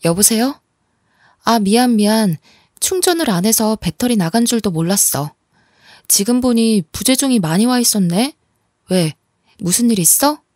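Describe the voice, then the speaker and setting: A woman's voice: fairly high pitch, animated, moderate pace, no room sound, clean studio sound. A woman doing a defensive young wife, indignant. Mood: breezy. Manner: brushes off questions, snaps back indignantly.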